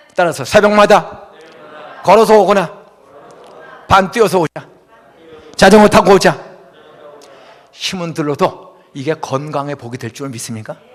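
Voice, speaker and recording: A man's fairly slow, animated speech at a high pitch, with lively intonation, big swings in loudness, long, frequent pauses and noticeable background noise. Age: 70s. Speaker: retired pastor. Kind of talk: sermon.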